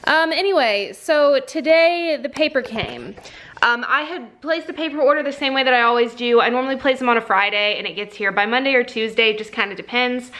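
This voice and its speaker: A young woman chats casually into her camera at home, rambling through little updates with plenty of ums and likes. Her voice sits a little high and sounds bright and forward. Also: a little fast. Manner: chatty, many fillers, baby-talks to her puppy. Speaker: vlogger and small shop owner. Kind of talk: casual vlog chat. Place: home office.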